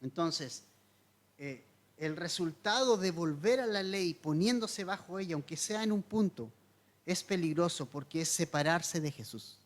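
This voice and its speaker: A man's voice: on the high side, expressive, a little slow. A man, a pastor, giving a verse-by-verse sermon in an earnest, explanatory teaching tone, asking his listeners questions and repeating key points.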